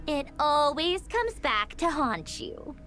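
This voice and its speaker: A woman voicing a tiny, childlike fairy companion in a video game, squeaky, dramatic and cheeky. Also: sing-song, slow, sharp tone, soft background music, exaggerated voice. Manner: speaks of self in third person.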